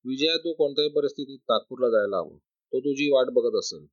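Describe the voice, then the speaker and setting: Bhavana, a man voicing a timid, gentle young woman. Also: mid-range voice, animated, fairly quick, close to an everyday voice. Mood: pleading. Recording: dry, slightly dull recording.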